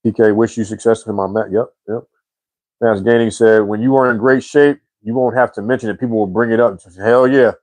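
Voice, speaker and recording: A man's voice: lowish voice, brisk, dry recording, poor audio. A man in his forties hosting a casual live chat, reading viewer comments and answering in a slangy, easygoing way. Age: 40s. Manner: slangy and relaxed, says bro and man a lot.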